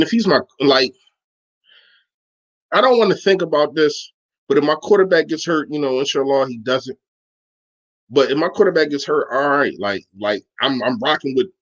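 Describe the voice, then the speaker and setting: A man's voice: a little high, sing-song, moderate pace, pauses often, fairly bright tone, highs cut off. A man hosting a sports podcast, arguing his points emphatically in casual, slangy chat while answering his live audience.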